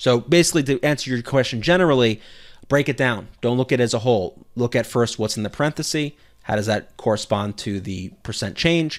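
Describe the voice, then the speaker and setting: This is a man with an unremarkable speaking voice, at medium pitch and a fairly quick pace. Pitch variation is ordinary, and the recording is very clean with a silent background. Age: 30s. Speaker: test prep tutor. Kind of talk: live stream Q&A. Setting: live stream. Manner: casual, conversational with fillers.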